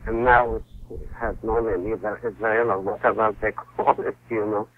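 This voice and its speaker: A man in his sixties from Palestine, a guest author speaking in a halting way with many fillers and restarts. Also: fairly low pitch, steady tone. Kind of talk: phone-in interview. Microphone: telephone. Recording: tinny phone line.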